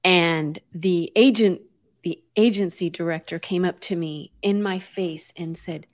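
A woman's voice: fairly low pitch, unhurried. A middle-aged woman whose family is Puerto Rican but who grew up in the US, a guest telling stories expressively, acting out quotes and mixing in Spanish words. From Puerto Rico background, grew up in the US. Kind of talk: animated conversational storytelling.

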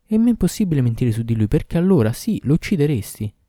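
A man's voice: medium pitch, fast, no echo, studio quality, pitched above the performer's own voice, close to an everyday voice. A pleading young captive woman, voiced by a man. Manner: pleading, steady denials.

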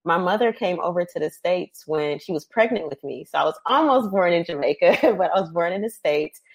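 A woman's voice: on the low side, fairly quick, breathy edge. Chatty woman guest from Detroit. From Detroit, Michigan. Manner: lively, laughs often, says "um" and "like". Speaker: podcast guest. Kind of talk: conversational storytelling.

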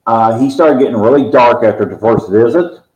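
A man's voice: mid-range voice, fairly quick, darkish tone, lo-fi sound, a little hiss or hum. Man in an echoey room. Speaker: paranormal team leader. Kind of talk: casual podcast conversation.

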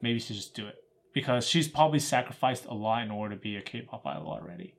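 A man's voice: medium pitch, fast, creaky, a bit bright. A young American man chatting casually as a co-host, leaning on fillers like "like" and "right?". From United States. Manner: filler-heavy, keeps asking "right?". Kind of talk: casual chat.

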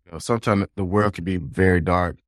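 A man's voice: deep voice, steady tone, fairly quick, no room sound, studio quality. A man co-hosting a podcast, chatting casually with hype-man affirmations. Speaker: podcast co-host.

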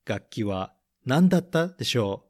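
A man reading a picture book aloud and running a gentle English vocabulary quiz for children, saying each line in English and then in Japanese. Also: medium pitch, very animated, noisy background. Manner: slow, careful delivery, repeating each point in English then Japanese. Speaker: storybook reader and English teacher.

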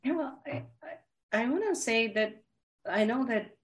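A woman co-hosting a casual podcast chat, animated and outspoken, quick to laugh and swear. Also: a little high. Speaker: podcast co-host.

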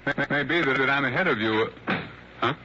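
A man's voice: medium pitch, brisk, sharp tone, close to an everyday voice. An actor playing a blind male writer and genial host who stammers and repeats his words. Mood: conspiratorial. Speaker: host and author. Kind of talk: 1960s radio drama acting. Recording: lo-fi old radio with hiss.

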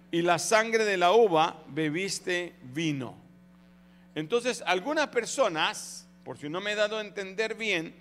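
A man's voice: high-pitched, fairly bright tone. A male pastor, preaching a sermon and having the congregation repeat phrases after him. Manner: acts out voices in Bible stories. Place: church hall. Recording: long hall reverb, faint noise.

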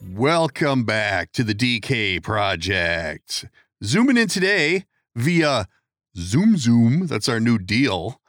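A man's voice: medium pitch, big pitch swings, takes it slowly, a bit bright, no room sound. A man hosting a casual podcast interview from his studio, chatty and joking, rambling a bit as he talks. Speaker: podcast host. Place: studio in Minneapolis.

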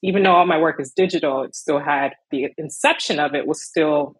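A young woman from Miami, an illustrator talking casually in an interview, animated with frequent laughs and fillers. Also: low voice, fairly quick, husky, no room sound, low-quality recording. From Miami, USA. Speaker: illustrator guest.

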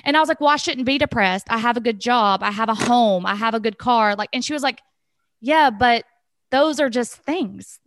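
A woman's voice: fairly high pitch, moderate pace, fairly bright tone, a little hiss or hum. A woman in her thirties hosting a podcast, talking candidly and chattily, laughing easily. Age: 30s. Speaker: podcast host. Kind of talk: casual podcast conversation.

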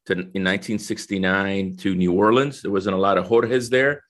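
A man's voice: low voice, fairly even intonation, moderate pace. A middle-aged man from El Salvador, a guest in a conversational interview, explaining things earnestly and step by step. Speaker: guest, corporate diversity executive.

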